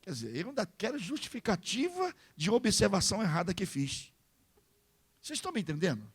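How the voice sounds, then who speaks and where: A man's voice: high-pitched, a little fast, husky. A man with a Brazilian Portuguese accent preaching a sermon at a church service. He acts out little dialogues among church members and often tags his sentences with a questioning "hã?". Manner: animated preaching, acting out congregation dialogue. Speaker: pastor. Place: church service with live music. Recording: church sermon over guitar music.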